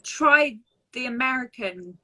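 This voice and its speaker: Hesitant woman host, bright voice. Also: fairly high pitch, animated, takes it slowly, poor audio. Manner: hesitant, many ums and restarts. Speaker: interview host. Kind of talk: casual interview chat.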